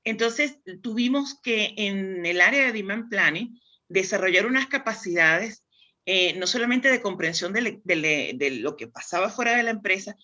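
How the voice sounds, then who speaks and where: A woman's voice: medium pitch, expressive, normal speed, bright, forceful tone. A woman from Spain with a Spanish accent, a guest explaining demand planning in a thoughtful, conversational way with frequent restarts. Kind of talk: conversational interview.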